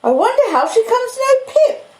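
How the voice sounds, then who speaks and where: A kindly, unlettered blacksmith from a storybook, acted out by a woman. He speaks in gentle rustic dialect, humble and apologetic. The pitch is lifted and swooping, in an echoey room. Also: very animated, moderate pace. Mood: polite, puzzled. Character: kindly, humble working-class English blacksmith, a grown man.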